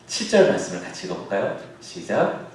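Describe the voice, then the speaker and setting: A male pastor preaching a sermon, now and then bursting into shouted calls as he acts out a scene. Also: on the low side, very animated, a little fast. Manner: acts out shouted calls across the water, then drops to a soft aside. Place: church sanctuary. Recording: echoey church hall, heard from a distance.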